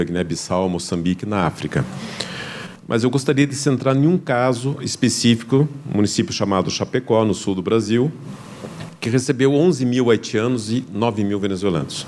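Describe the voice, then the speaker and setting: A man's voice: on the low side, darkish tone, a little hiss or hum. A man from Brazil speaking at a conference panel, earnestly recounting cases with quoted asides.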